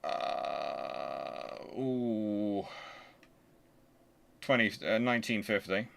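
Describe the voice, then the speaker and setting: A man hosting a history channel, explaining informally and thinking aloud in a halting, conversational way. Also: on the low side, vocal fry, fairly bright tone. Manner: conversational, halting, muttering to himself while working.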